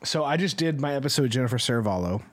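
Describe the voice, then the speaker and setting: A man co-hosting a podcast in casual discussion, talking in an animated, argumentative way and often tagging points with questions. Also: medium pitch, fast. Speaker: podcast co-host.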